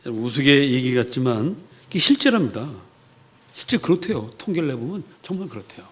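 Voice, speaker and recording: A man's voice: medium pitch, very animated, a little fast. A man preaching a sermon in a conversational way, asking the congregation questions and acting out the voices of the people he quotes. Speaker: pastor.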